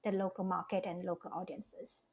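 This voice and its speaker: A woman's voice: fairly low pitch, little pitch movement, moderate pace. A woman, talking as an interview guest in a reflective way, often restarting her phrases as she thinks aloud. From Malaysia. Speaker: guest, cultural strategist. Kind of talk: casual interview talk.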